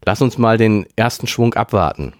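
A blunt, wary teenage girl with dry, cutting retorts, put on by a man reading a story. The voice sits a little above a very low baseline. The sound is close and dry. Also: moderate pace, no echo, natural voice. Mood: dry, guarded.

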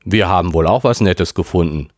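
A man's voice: low-pitched, brisk, dry recording, clean studio sound, lightly acted. Man voicing a smug, menacing teenage boy. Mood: smug, taunting. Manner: oily, taunting.

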